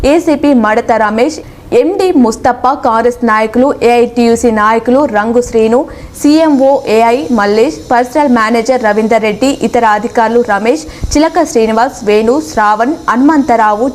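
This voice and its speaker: A woman reading local television news in a steady, formal manner with a Telugu accent. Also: on the high side, slight background noise. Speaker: news reader. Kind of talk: scripted news narration.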